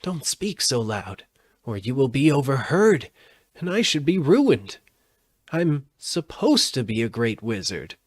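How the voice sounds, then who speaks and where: A man's voice: mid-range voice, big pitch swings, a little slow, no room sound, clean studio sound, pitched above the performer's own voice. A man reading a storybook aloud, voicing a meek, cowardly little old humbug wizard with a trembling, pleading voice. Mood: meek, hushed.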